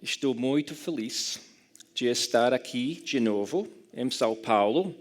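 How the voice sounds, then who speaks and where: A man from Scotland delivers a lecture with a clear Scottish English accent. He talks at a slow, unhurried pace in a mid-range voice, carefully choosing his words and fixing small slips as he goes. A dry humor surfaces now and then. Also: medium pitch, expressive. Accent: Scottish English speaker speaking Portuguese. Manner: careful, halting delivery with self-corrections. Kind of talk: academic lecture in a second language.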